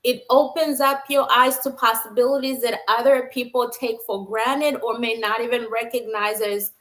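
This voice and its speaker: A woman's voice: on the high side, fairly even intonation, normal speed, fairly bright tone, rough recording. Earnest, enthusiastic woman from Zambia. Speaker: guest, nurse scientist. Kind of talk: conversational interview.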